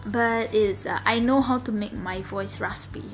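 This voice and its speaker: A young woman from Malaysia with a slightly raspy, low voice, chatting casually in a sit-down vlog at home, rambling with lots of fillers. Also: unhurried, soft background music. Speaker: vlogger. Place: home room.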